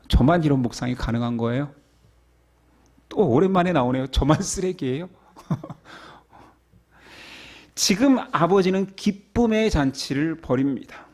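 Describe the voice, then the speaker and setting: A male pastor preaching a Sunday sermon, acting out the characters of the story in quoted voices and dropping to near-whispers at the ends of phrases. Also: on the high side. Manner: animated, acts out the parable's characters in quoted voices.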